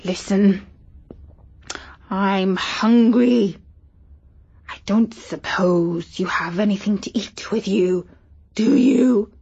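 A big, sleek black cat from a children's storybook speaks gently and politely, as a woman reads him aloud. His words come slowly and calmly. The recording sounds a little dull and muffled. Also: medium pitch, gravelly, slightly rough, heavily acted.

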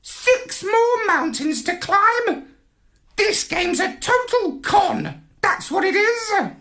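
A storyteller voicing a bossy, clever male parrot commander who talks in a shrill, scornful, know-it-all way. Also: big pitch swings, slow, pushed and bright, heavily acted. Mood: outraged. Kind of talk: storybook read-aloud.

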